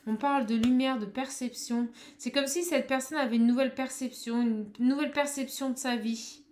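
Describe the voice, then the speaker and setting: A woman doing a card reading for her viewers, talking straight to them and calling out to her spirit guides, with a small high voice. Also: steady tone, normal speed, a little mellow, a little hiss or hum. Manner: addresses viewers directly, exclamatory, calls on spirit guides. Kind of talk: tarot reading to camera.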